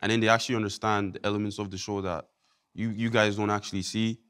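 A man's voice: lowish voice, level tone, fast, fairly bright tone, clean tone. A young man from Ireland, a guest in a casual interview, talking in a laid-back, rambling way full of fillers.

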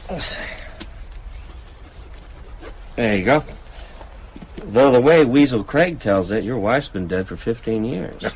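An actor in a radio drama playing a guarded, prickly novelist with a wry, curt manner. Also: male voice, mid-range voice, animated, normal speed, darkish tone, slight background noise, close to an everyday voice. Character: guarded, prickly male novelist, stranger in town.

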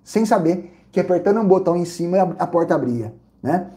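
A Brazilian man vlogging casually, telling an animated, repetitive story with lots of exclamations. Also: sits high, brisk. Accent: Brazilian Portuguese. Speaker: vlogger reviewing credit card perks and hotels.

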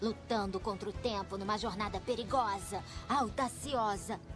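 An actress playing a grandly dramatic storybook narrator in a film dub. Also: female voice, mid-range voice, fairly even intonation, moderate pace, natural voice. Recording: music behind the voice.

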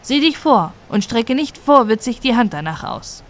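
A woman's voice: on the high side, very animated, normal speed. A woman voicing a small friendly house goblin, kindly and admonishing, in a fairy-tale audiobook. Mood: gentle warning.

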